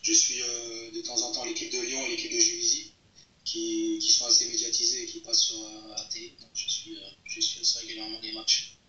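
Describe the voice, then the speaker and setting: A man's voice: mid-range voice, fairly quick, sharp tone. A man in his thirties from France, a footballer answering interview questions, hesitant and repeating words as he searches for them. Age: 30s. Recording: roomy, distant, dull lo-fi sound.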